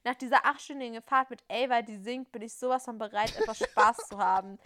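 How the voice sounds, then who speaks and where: Bright, lively woman narrating playfully. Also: a little high, brisk. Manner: lively, playful, laughs often. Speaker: podcast host narrating a choice story. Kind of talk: casual reading of a story game with commentary.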